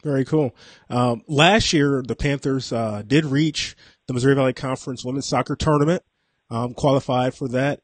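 A man's voice: medium pitch, steady tone, moderate pace, no room sound. A man hosting a sports radio show, asking questions steadily with some fillers. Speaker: radio host.

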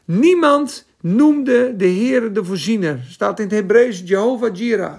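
A man preaching a sermon and answering viewers' questions, fervent at times and soft and musing at others. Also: sits high, lively intonation, a little slow, gravelly, breathy edge. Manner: fervent, shifts between loud exclamation and soft musing. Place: church or home stream for Facebook.

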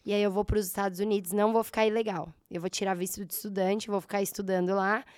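A slightly hoarse woman in her thirties with a Brazilian accent, telling her story in a casual interview and acting out her past thoughts. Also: mid-range voice, flat delivery, fast talker, a little mellow, no echo. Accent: Brazilian Portuguese. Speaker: guest, entrepreneur.

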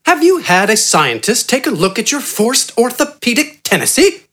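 A narrator voicing an eccentric, pompous male doctor who is manic and jovial and speaks in a grand, excitable way. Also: medium pitch, moderate pace, voice pushed up. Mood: scheming. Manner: pompous, excitable, keeps saying "old boy".

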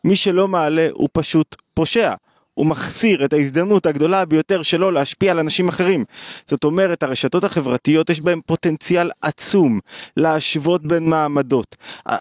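A man's voice: on the high side, darkish tone, no room sound, studio quality. A middle-aged man delivering a daily video lecture on psychology, emphatic and repeating phrases for stress.

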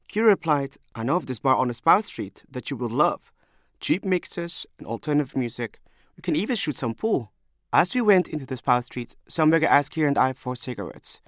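A man's voice: mid-range voice, no room sound. Man reading a reflective memoir, dry sound. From Somalia. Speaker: storyteller. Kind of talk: scripted first-person memoir narration.

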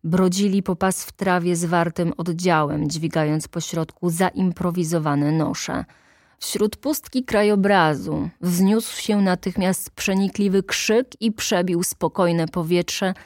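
A woman reading a literary audiobook aloud in a measured, deliberate way with dramatic pauses, close to the microphone. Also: lowish voice, darkish tone, dry recording. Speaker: audiobook narrator.

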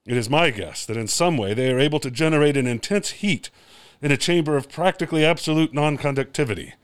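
Actor as smooth, erudite male professor. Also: mid-range voice, dry recording, studio quality, close to an everyday voice. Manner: deliberate, erudite, pedantic. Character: learned, cautious male scientist professor. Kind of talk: scholarly explanation in a radio drama.

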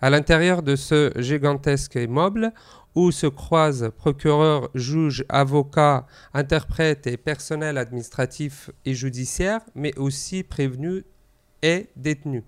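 A man's voice: on the high side, measured pace, smooth. A man whose first language is Arabic, reading a news item on a talk show with some hesitations. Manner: reads with hesitations and fillers. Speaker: news segment presenter.

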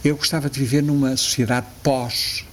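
A man's voice: mid-range voice, flat delivery, moderate pace, slight background noise. A man in his sixties with a European Portuguese accent, talking reflectively as an interview guest, often restarting his sentences. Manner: reflective, frequent restarts and soft laughs. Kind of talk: casual interview conversation.

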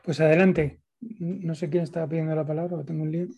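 A man's voice: fairly high pitch, little pitch movement, fast, gravelly, warm tone, breathy edge. A man with a Spanish accent from Spain, moderating and talking casually in a seminar discussion.

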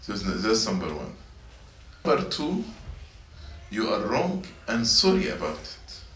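Male youth teacher, deep bright voice, slow deliberate sermon, recorded from afar in an echoey room with faint noise. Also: very animated, recorded from a distance. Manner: slow, repeats points, asks the students questions. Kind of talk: sermon to middle schoolers. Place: church meeting room.

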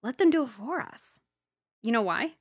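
A woman's voice: a little high, lively intonation, normal speed, no echo, clean studio sound. A woman playing a defiant, scheming, foul-mouthed activist in an audio drama, wry and emphatic. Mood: determined, wry.

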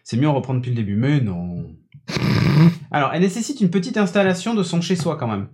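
A man's voice: on the high side, sing-song, fast, a little mellow. A man hosting a casual tech podcast, chatty and enthusiastic as he demonstrates a gadget, with plenty of hesitations. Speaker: podcast host presenting a gadget. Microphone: podcast studio microphone on a mixing desk.

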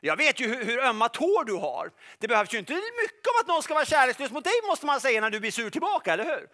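A man playing a sneering male devil in a sermon, needling and sarcastic, voice up high and bright, jumping around in pitch. every line is a jab or a loaded question. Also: sing-song, full character voice. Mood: taunting. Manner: taunting, sarcastic, probing questions. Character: sly mocking male devil, whispering accusations.

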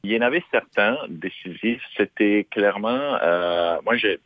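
A middle-aged Italian man, a guest speaking French as a second language, answers interview questions with many fillers and restarts. His voice is lowish and his pace measured. The recording is dry, with a narrow, phone-like sound.

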